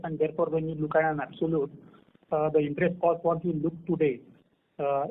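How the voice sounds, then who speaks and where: A man, a company executive, explaining quarterly results on an earnings call in a measured way. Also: fairly high pitch. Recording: tinny phone line.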